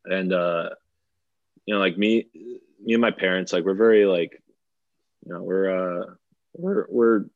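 A man's voice: low-pitched, a little slow, pauses often, no room sound. A young man from Bulgaria, a DJ guest on a podcast, talking casually and rambling with lots of "like" fillers and restarts. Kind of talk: casual interview chat. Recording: dull lo-fi sound.

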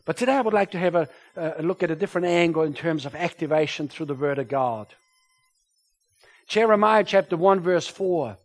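A man whose first language is German, preaching a sermon to a congregation, his voice rising loud when he quotes scripture. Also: sits high. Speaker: pastor. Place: church.

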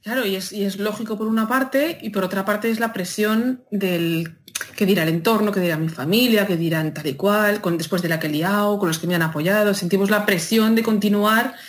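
A woman from Spain with a Madrid accent, a guest chatting in an interview and telling stories with lively emphasis and frequent laughter. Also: medium pitch, brisk. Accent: Spanish, Madrid. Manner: animated storytelling, laughs often, emphatic. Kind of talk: casual interview chat.

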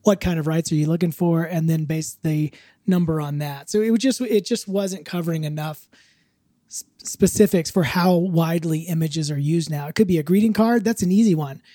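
A man's voice: a little high, normal speed, warm tone, no room sound, studio quality. A man in his fifties, a podcast co-host, chatting casually with a wry, rambling way of talking. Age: 50s. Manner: rambling, self-correcting, wry.

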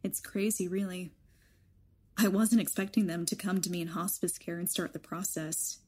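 Defiant young-bodied old soul, bit husky, sardonic and blunt, audio drama. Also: female voice, fairly low pitch, fairly even intonation, normal speed, a little mellow. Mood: agitated, questioning. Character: defiant rejuvenated elderly woman in a young body.

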